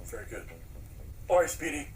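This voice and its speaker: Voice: medium pitch, sing-song, normal speed, a little hiss or hum, close to an everyday voice. A performer voicing a patient coaching character who coaxes and instructs. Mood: coaxing. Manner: coaxing, instructive. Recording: voice a bit far from the mic.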